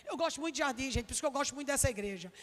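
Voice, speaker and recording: A woman preacher with a Northeastern Brazilian accent, giving a jokey, chatty sermon that bursts into shouts. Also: sits high, expressive, racing, big-room sound. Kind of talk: lively humorous sermon. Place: church hall.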